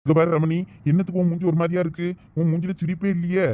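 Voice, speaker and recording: A man's voice: a little high, little pitch movement, fast talker, phone-quality sound, a little hiss or hum. A man with a Thoothukudi Tamil accent, bossy and scolding in a village comedy skit. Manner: bossy, scolding husband talk.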